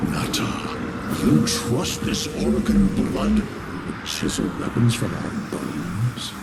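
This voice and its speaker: An actor playing a vengeful, shadowy warlord in a video game, ominous and declamatory in an archaic way. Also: male voice, huge pitch swings, slow. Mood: menacing. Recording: loud game rumble and noise.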